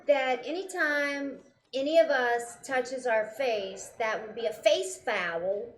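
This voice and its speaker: A woman's voice: takes it slowly, a bit bright. A woman co-hosting a casual live show in a pub, playful and teasing, sounding as if inside a barrel. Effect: boomy sound like inside a barrel. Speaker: co-host. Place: local pub, live broadcast. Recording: echoey, barrel-like room sound, faint room noise.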